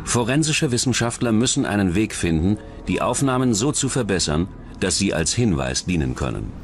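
A man's voice: fairly low pitch, very animated, moderate pace, background noise. A man reading scripted true-crime documentary narration as the narrator. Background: background music.

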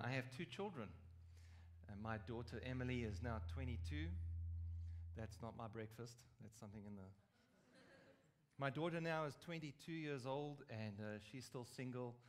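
A man in his forties with a South African accent, preaching on a church stage and telling a story in a lively, joking way. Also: medium pitch, moderate pace. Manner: lively, chatty, joking asides. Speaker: guest preacher. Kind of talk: storytelling sermon. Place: large stage in a church hall.

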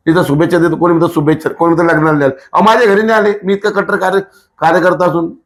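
In a casual interview, an activist guest makes his points bluntly and emphatically, often through rhetorical questions. The man's voice is on the high side with a steady tone, and he speaks very fast.

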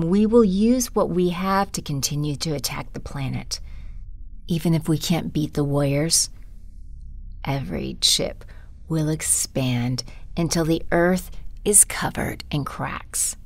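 A woman's voice: low-pitched, darkish tone, exaggerated voice. A woman voicing a commanding, scheming villain sorceress with theatrical menace in an audio drama.

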